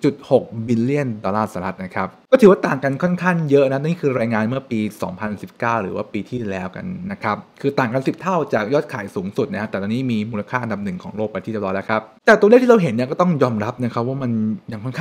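Young male host, brisk and animated to camera, at home on a desk mic. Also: medium pitch. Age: young adult. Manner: animated, chatty, frequent polite particles. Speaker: finance channel host. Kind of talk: casual explainer talk to camera. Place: home room with shelves, indoors.

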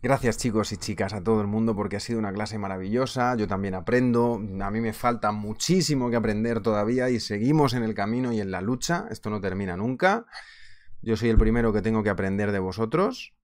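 A man in his thirties with a Spain Spanish accent, teaching a live online trading class in a chatty, animated way, laughing often, from a small office on a webcam. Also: fairly low pitch, fairly quick. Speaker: trading instructor. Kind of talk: casual live webinar teaching.

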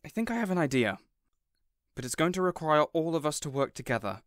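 A man's voice: on the high side, sing-song, fairly quick, dry recording, studio quality. A man playing an earnest, protective supervillain boss in an audio roleplay, dramatic and easily exasperated. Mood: apologetic, resolute. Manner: earnest, exasperated, wholesome mild oaths. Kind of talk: audio roleplay addressed to the listener.

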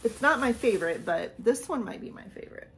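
A woman in her thirties chatting casually in a haul vlog from a small room, rambling and laughing, a little hoarse from losing her voice. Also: on the high side, animated, fairly quick, fairly bright tone, a little hiss or hum. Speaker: vlogger showing a haul. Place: small decorated room indoors.

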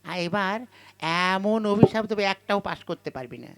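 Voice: medium pitch, animated, normal speed, close to an everyday voice. A performer voicing an irritable, hungry goddess puppet who grumbles and scolds in a Bengali folk comedy. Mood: impatient grumbling. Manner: grumbling, scolding, corrects sharply. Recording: loud music behind the voice. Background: music.

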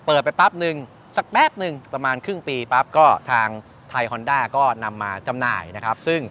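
Very animated and brisk, this male host has a medium-pitched voice with a sharp tone. As a motorcycle reviewer doing a casual review and interview, he explains and confirms the guest's answers by repeating them. Vehicles and outdoor noise come from the traffic beside the shop.

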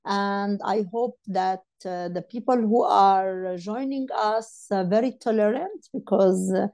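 A woman in her sixties whose first language is Arabic, speaking on an online panel over a video call, halting with many fillers and restarts. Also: mid-range voice, darkish tone. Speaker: panel speaker, legal advisor. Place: home room. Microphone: earphone headset on video call.

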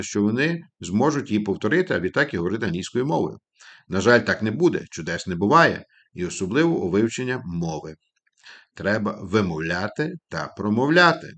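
A male language teacher with a lively, sing-song delivery, his pitch rising and falling freely. He slows right down to model English phrases word by word and playfully calls his listeners kids. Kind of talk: instructional monologue.

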